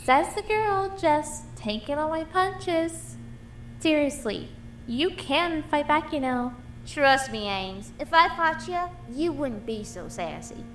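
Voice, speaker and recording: A very high-voiced young cartoon animal girl, played by a woman, friendly and sassy. Her delivery is bright and animated, full of playful teasing, in an audio drama style. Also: slow, full character voice, poor audio. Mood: teasing, competitive. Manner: playful, expressive banter.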